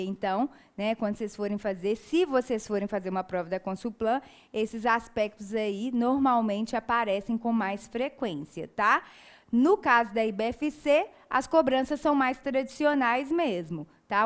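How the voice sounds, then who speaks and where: Her voice fairly high and fairly bright, a Brazilian Portuguese-accented woman walks students through an exam-prep grammar lesson one step at a time. She frequently checks their understanding with brief tag questions.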